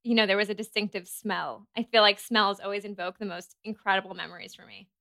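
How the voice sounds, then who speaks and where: A woman's voice: mid-range voice, steady tone, quick pace, creaky, pushed and bright. A woman hosting an interview who asks her guest questions in an enthusiastic, affirming way. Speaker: podcast host. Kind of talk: conversational interview.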